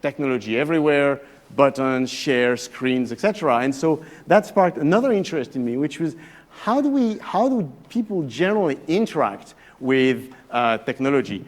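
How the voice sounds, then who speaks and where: An expressive mid-range voice at moderate pace belongs to a professor in his thirties from France. With his French accent, he gives an evening guest talk to a live audience, chatty yet hesitant, often restarting phrases.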